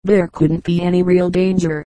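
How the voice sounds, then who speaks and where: A woman's voice: fairly low pitch, level tone, moderate pace, mellow, dry recording, lightly acted, low-quality recording. A woman reading aloud, voicing an earnest young man working as a census officer who asks eager questions.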